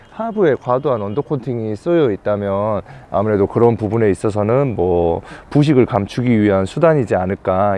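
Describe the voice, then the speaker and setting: In an informal explainer on buying trucks, a man working as a used car dealer addresses viewers with courteous, formal patter. His voice is lowish and dark in tone, and there's a little background noise.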